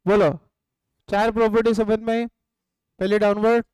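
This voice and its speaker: A man's voice: sits high, flat delivery, a little slow, a little mellow, smooth, no echo, poor audio. An economics teacher with an Indian accent, giving a live online lesson. He poses questions to the class, answers them himself and dictates notes word by word.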